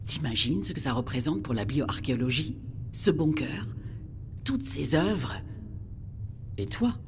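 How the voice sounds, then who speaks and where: An inquisitive scholar of the far future, with a remarkably low voice for a woman. Her pitch moves freely as she wonders and questions, in audio-drama style, over a noticeable rumble. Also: sing-song, a little slow, gravelly, heavily acted. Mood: awed, excited. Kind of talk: scripted science-fiction audio drama. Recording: rumbling noise behind the voice.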